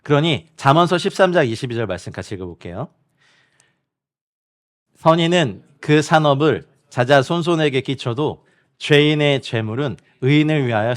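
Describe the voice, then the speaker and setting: A man preaching as a missionary at a midweek prayer meeting, speaking directly to the congregation and online viewers and often acting out other people's words. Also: medium pitch. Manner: animated, acts out quoted people and laughs often while preaching.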